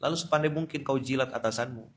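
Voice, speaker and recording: A man preaching a lively sermon to a live audience, swinging between loud exclamations and soft asides and joking with the crowd. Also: mid-range voice, quick pace. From Indonesia. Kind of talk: lively sermon at a dawn study gathering.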